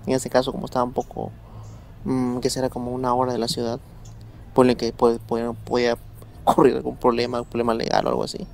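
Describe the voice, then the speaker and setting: A man telling a true story in a casual, halting way, often repeating words as he remembers. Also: medium pitch, fairly even intonation, gravelly, a little hiss or hum. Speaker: guest storyteller.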